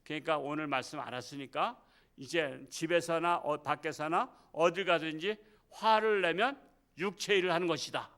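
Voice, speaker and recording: A middle-aged male pastor preaches a Wednesday service in a church, his voice pitched high and sounding bright. He talks with the congregation in a loose, conversational way, firing rhetorical questions and acting out the speech he quotes. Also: normal speed. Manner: acts out quoted speech in the sermon. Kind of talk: Wednesday evening sermon. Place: church sanctuary.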